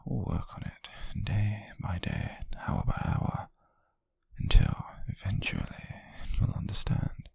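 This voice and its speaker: A British man playing a possessive, wealthy young yandere in an ASMR roleplay, coaxing haltingly in a breathy, husky whisper with soft menace. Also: lowish voice, huge pitch swings, no room sound, full character voice. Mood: wistful, obsessive.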